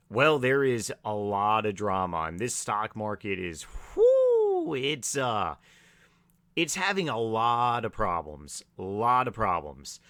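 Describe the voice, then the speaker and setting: A man who is raspy from allergies, giving a low-key, filler-heavy stock market vlog. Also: sharp tone, no room sound. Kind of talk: casual market commentary.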